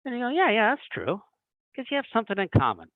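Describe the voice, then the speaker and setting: Lively man on a tinny video call. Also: very high-pitched, quick pace, no room sound. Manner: animated, acts out little dialogues. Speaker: webinar presenter. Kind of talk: recruiting training talk. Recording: dry tinny phone-like online call audio.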